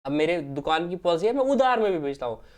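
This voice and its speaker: A man's voice: a little high, sing-song, fast talker. Man teaching, quizzing himself aloud. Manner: repeats key terms, asks and answers his own questions; addresses students as friends. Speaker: accounting teacher. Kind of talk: classroom lecture, Hindi mixed with English terms.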